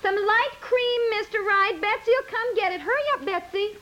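A woman's voice: very high-pitched, moderate pace, muffled recording. An actress playing a bustling, chatty, easily flustered young housewife and mother in a 1950s radio comedy. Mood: bustling, hurried. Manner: chatty, bustling, calls out to others. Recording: noisy old 1950s radio recording.

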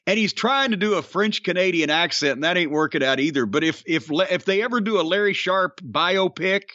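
A man's voice: sits high, lively intonation, a little fast, bright, forceful tone, no room sound, dull audio. A middle-aged man, hosting a wrestling podcast, drawling and storytelling as he quizzes his co-host. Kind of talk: casual wrestling podcast chat.

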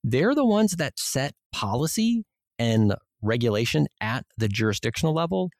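A middle-aged man with a Minnesota accent, answering interview questions in a measured, explanatory way as a podcast guest. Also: medium pitch, big pitch swings, darkish tone, dry recording, studio quality. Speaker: guest, vice president of an exam organization.

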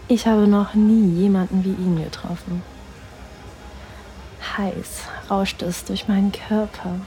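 A woman narrating an erotic audio drama in the first person, in a breathy, sensual way that slips into whispers. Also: medium pitch, dark tone, poor audio.

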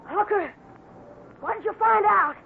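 An actor playing an eager, impatient boy cowboy hero in an old American radio adventure, excitable and urgent. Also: very high voice, a little slow, creaky, exaggerated voice. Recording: noisy, narrow-band old radio recording.

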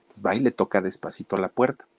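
A man's voice: on the low side, quick pace, gravelly, husky, dry recording. A man telling an anecdote in a chatty, casual way, talking straight to his listeners. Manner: chatty, addresses listeners directly, acts out quotes. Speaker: storyteller host.

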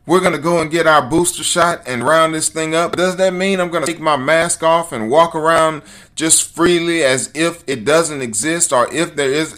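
A man's voice: fairly high pitch, a bit bright. A man hosting an opinion talk show, speaking emphatically and straight to his listeners. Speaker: podcast host.

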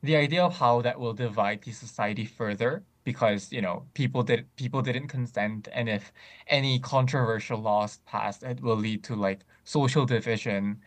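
A man in casual discussion, speaking thoughtfully with frequent pauses and restarts. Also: mid-range voice. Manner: many fillers and restarts, thoughtful.

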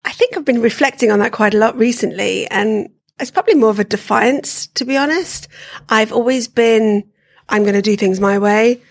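A woman's voice: a little high, moderate pace. A woman from South Africa, a sales professional talking as a podcast guest, chatty and often restarting her sentences. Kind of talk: casual interview chat.

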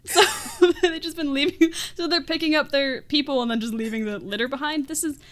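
A woman's voice: sits high, a little fast. A woman podcast co-host casually recapping a film in a wry, giggly, conversational way.

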